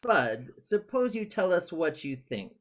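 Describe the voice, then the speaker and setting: A man's voice: high-pitched, sing-song, a little slow. A man playing a patient, courteous college dean in a table read, polite and probing.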